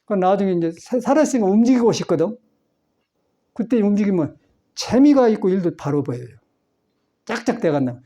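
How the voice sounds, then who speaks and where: A man's voice: high voice, sing-song, brisk, pauses often, mellow. A man, a Buddhist monk, giving a folksy Sunday dharma talk in a temple hall, chatty and meandering with frequent chuckles. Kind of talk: folksy sermon.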